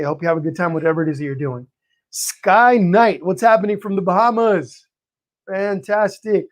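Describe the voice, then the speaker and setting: A high-pitched man hosts a live painting stream, chatting and teaching as he greets viewers by name in a friendly way. His voice sounds a little hoarse and tired, and he clears his throat now and then.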